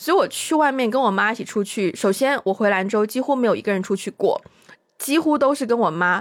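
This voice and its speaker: With a very clean recording and a silent background, a woman speaks at a fairly high pitch in an ordinary speaking voice. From Lanzhou, northwest China. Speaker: podcast co-host. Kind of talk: casual chat.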